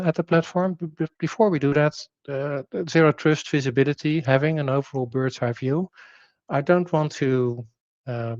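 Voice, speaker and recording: A man's voice: a little high, dry recording, lo-fi sound. A man whose native language is Dutch, giving a technical presentation, explaining with rhetorical questions, fillers and restarts.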